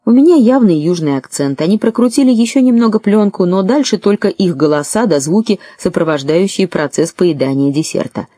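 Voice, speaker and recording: A woman narrating a first-person audiobook story in a lively, wry way. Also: fairly low pitch, a little fast, hardly any pauses, no room sound, clean studio sound.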